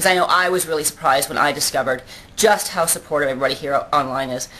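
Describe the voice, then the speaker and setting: Over noticeable background noise, a woman talks very fast at a very deep, low pitch with ordinary pitch variation. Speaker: fitness vlogger. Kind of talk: casual vlog monologue. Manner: stuttering, halting.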